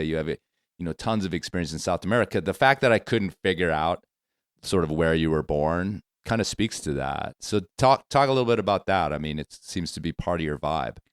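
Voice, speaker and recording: A man hosts an interview in a very low voice. He rambles and stumbles over repeated words before landing his question. The sound is dry and close. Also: smooth, no room sound. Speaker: podcast host. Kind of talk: conversational interview. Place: hotel room.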